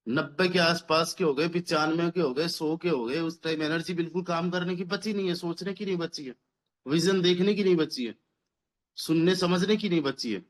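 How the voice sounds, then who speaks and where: Man in his thirties, higher-pitched voice, persuasive motivational pitch, repeats phrases for emphasis, mixes in English words. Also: normal speed. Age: 30s. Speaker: network marketing team leader.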